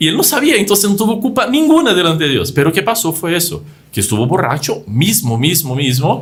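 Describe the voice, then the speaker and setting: A high-pitched man with a non-native accent at a fairly quick pace, very wide pitch swings and very even loudness, amid audible room echo. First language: not Spanish (speaking Spanish). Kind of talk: casual religious discussion podcast.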